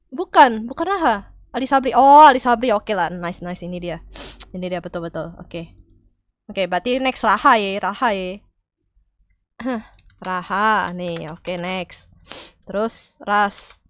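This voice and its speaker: Woman streamer w a cold, stuffy nose, kinda high voice, dry close mic, yells and swears at teammates. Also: dry recording. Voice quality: slightly stuffy, nasal from a cold. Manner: loud exclamations, swearing, calling out to teammates. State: has a cold. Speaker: game streamer. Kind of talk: casual gaming stream chat.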